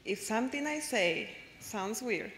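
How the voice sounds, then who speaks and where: A woman's voice: fairly high pitch, lively intonation, measured pace, a bit bright. A woman with a Mexican Spanish accent gives an earnest, openly nervous keynote about her own story. Her voice rings in an echoey hall with a long tail of reverb. A faint noise sits under it. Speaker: keynote speaker. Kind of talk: personal testimony speech.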